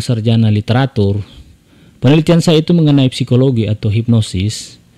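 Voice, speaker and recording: A man talks at a moderate pace with lively intonation and a dark, mellow tone. The sound is dry and close with no echo. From North Sulawesi, Sangihe. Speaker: YouTuber on culture and beliefs. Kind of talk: casual explanatory vlog talk. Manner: hesitant, many fillers.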